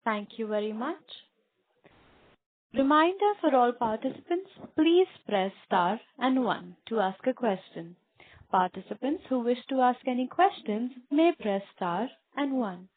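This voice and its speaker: A woman's voice: fairly high pitch, animated, a little slow, dry recording. A woman moderating a conference call as operator in a scripted way. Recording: dry, thin telephone line.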